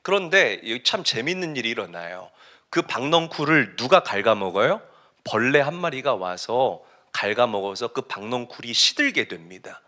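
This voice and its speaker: A man's voice: mid-range voice, lively intonation, moderate pace, bright, forceful tone. A man preaching a sermon, telling a story emphatically and asking the congregation rhetorical questions. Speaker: pastor.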